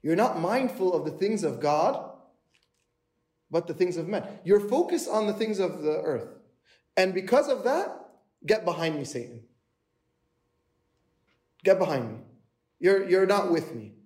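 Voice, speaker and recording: Male preacher, sermon, conversational, acts out quoted lines, slightly high voice, echoey room. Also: very animated, moderate pace, darkish tone.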